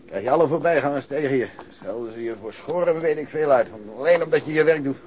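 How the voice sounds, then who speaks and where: A man's voice: on the high side, fast, darkish tone, highs cut off, slight background noise, close to an everyday voice. An actor in a Dutch radio drama playing a grumbling, work-shy veteran patrol policeman.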